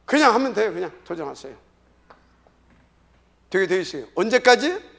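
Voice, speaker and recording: High gravelly guy preaching in church, punchy and loud then drops to a whisper. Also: very animated, normal speed. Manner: emphatic preaching, sudden drops to whispered repetition. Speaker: pastor. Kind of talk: sermon. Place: church sanctuary.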